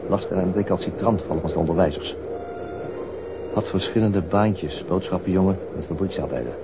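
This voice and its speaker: Stern, low-voiced police interrogator. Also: male voice, normal speed, heavy background noise. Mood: dry, muttering. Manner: clipped, formal, pressing questioning. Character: stern, methodical male police interrogator, dry and insistent. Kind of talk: radio crime drama acting.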